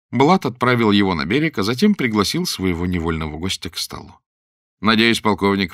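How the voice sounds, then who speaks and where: A man reading a story aloud as narrator in a steady, expressive manner. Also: low voice, dry recording, clean studio sound. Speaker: audiobook narrator. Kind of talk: scripted narration.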